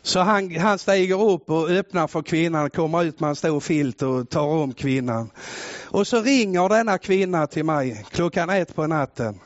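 A man preaching a sermon with fervor, rising to shouts and dropping to quiet storytelling. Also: a little high, expressive, dry recording, highs cut off. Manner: fervent, builds to shouts, then drops to quiet storytelling.

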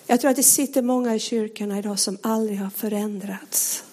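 A woman preaching a sermon, earnest and pleading, often sinking to a hushed whisper. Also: mid-range voice, fairly even intonation.

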